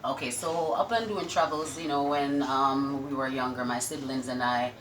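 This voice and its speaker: Very low-pitched woman, echoey recording. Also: fairly even intonation, normal speed. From Jamaica. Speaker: restaurant owner, interview guest. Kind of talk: casual interview storytelling. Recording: echoey room with loud-ish background noise.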